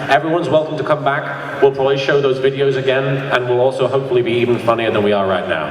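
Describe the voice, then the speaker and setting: A man's voice: mid-range voice, steady tone, fast talker. A man speaking to an audience as a creator on a convention panel. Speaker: panelist, parody series creator. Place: large convention panel room. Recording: distant echoey hall, clear background noise.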